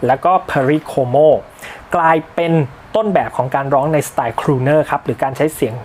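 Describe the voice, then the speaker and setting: A man narrating a history lesson in a relaxed, polite way, with the odd filler and slip. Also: medium pitch, moderate pace, breathy edge. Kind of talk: informal history lecture.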